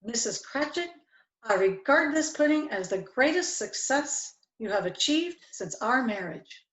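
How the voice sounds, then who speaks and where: A woman playing a kindly, good-humoured father in a storybook play, expressive and affectionate. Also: fairly high pitch, unhurried. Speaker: amateur reader, library staff. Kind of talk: dramatic reading of a classic story. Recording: echoey room.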